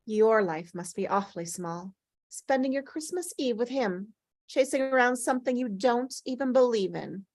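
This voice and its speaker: A woman acting an eerie lady in white from a ghost drama script. Her voice is fairly high and very dry, with a coy innocence that turns needling and probing. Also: expressive, normal speed, darkish tone, no room sound. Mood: probing, knowing. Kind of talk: scripted table read.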